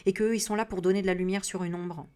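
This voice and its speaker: A woman from France giving a casual spiritual reading, rambling with many hesitations and frank, animated asides. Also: mid-range voice, quick pace, a little hiss or hum. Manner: rambling, full of hesitations and fillers. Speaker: psycho-energy practitioner and medium.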